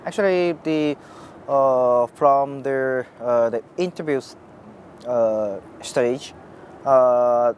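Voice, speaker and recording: Hesitant man, slow. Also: medium pitch, darkish tone, a little hiss or hum. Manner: hesitant, many fillers. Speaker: interviewee. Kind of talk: casual interview answers.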